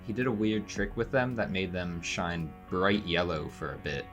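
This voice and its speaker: Man acting hesitant, low-voiced young witness. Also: lively intonation, music in the background. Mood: uneasy recounting. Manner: hesitant, halting, casual. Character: shaken, earnest young male witness, friendly and sheepish. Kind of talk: naturalistic audio drama acting.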